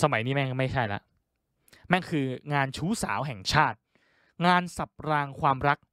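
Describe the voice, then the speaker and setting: Male stand-up comic, crude and profane, very animated delivery. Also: on the high side, no echo, studio quality. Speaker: stand-up comedian. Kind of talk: stand-up storytelling.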